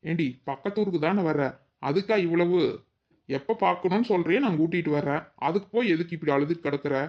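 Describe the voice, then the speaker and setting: Woman doing a cartoon young husband, teasing, lower voice, muffled recording. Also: quick pace, lightly acted.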